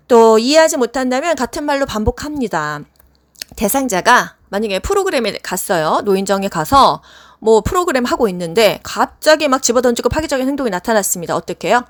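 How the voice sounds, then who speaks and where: A woman's voice: fairly high pitch, a bit bright. A woman giving a casual spoken exam-prep lecture, chatty, asking questions and answering them herself. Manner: chatty, asks and answers her own questions.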